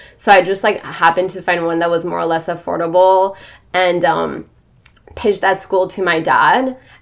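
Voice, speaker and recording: With an American accent, a woman speaks at a moderate pace and medium pitch, showing vocal fry and fairly even intonation. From United States. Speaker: podcast guest. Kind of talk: casual interview. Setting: in person, Los Angeles.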